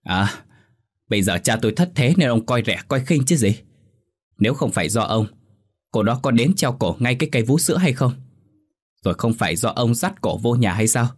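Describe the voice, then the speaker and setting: A man voicing a sharp-tongued middle-aged village wife who scolds her husband with indignant scorn, in a spoken ghost story. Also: medium pitch, expressive, normal speed, breathy edge.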